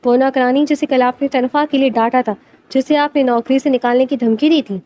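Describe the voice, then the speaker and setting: A woman doing a brusque young man in a storybook romance, protective and clipped, his lines short and commanding. The voice sits high and bright for a man, as she reads him in her own voice. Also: steady tone, natural voice. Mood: cold.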